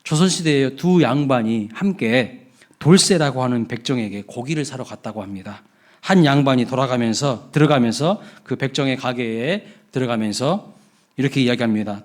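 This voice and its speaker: A man, a pastor, preaching a Children's Sunday sermon in church, telling stories and asking the congregation questions. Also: medium pitch. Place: church sanctuary.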